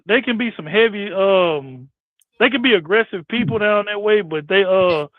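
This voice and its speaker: A man's voice: high voice, animated, normal speed, no echo. A man on an online panel, chatting casually and explaining history with many restarts. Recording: tinny phone-line sound.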